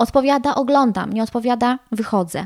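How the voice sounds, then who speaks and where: Dry and close with no echo, this very clean recording with a silent background has a woman speaking at a high pitch and a fairly quick pace with ordinary pitch variation. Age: 30s. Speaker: YouTuber teaching correct Polish. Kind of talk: casual interview.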